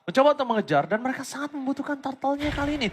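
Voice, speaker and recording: A man with an Indonesian accent doing dramatic esports play-by-play commentary, rising into shouts and mixing in English phrases. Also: very high voice, animated, rapid-fire, slight background noise. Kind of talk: esports caster commentary of a mobile game match.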